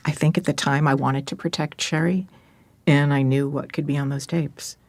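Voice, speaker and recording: Gentle, low-voiced middle-aged woman. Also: fairly even intonation, moderate pace. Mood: hesitant, confessing. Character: kindly older woman, former therapist, friend of a late mother. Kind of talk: naturalistic audio drama acting.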